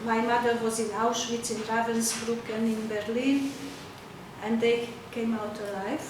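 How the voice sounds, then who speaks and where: An older woman whose first language is Hungarian, presenting her artwork at an exhibition opening in halting speech full of fillers. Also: on the high side, level tone. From Czechoslovakia. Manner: halting, searching for words, many fillers. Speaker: artist presenting her work. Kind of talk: slideshow talk at an exhibition opening. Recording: echoey hall from far off, noisy.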